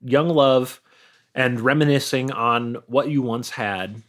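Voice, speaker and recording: A man's voice: mid-range voice, slow, a bit bright. A man in casual podcast chat, talking in an emphatic, rambling way and mocking himself. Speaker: podcast speaker.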